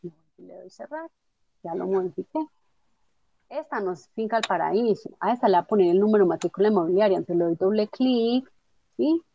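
A woman teaching a software tutorial step by step, patiently checking that her student follows along. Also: mid-range voice, lively intonation, fairly quick, gravelly, a little hiss or hum. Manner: patient, explanatory, checks understanding with tag questions. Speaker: instructor. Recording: dull lo-fi dry audio.

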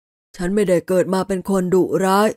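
A wary grown man, voiced by a woman narrator, pushes his words out slow and low, friendly on the surface with caution underneath. It is a storybook reading in a dry, close sound. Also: fairly even intonation, dry recording, close to an everyday voice. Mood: guarded. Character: wary middle-aged man, forcing a friendly tone.

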